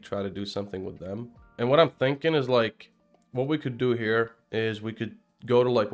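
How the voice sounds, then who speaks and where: A young man with a fairly low voice gives relaxed gameplay commentary for his channel. He was raised in Denmark after coming from Palestine. His talk rambles, full of fillers and restarted sentences. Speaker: gaming YouTuber.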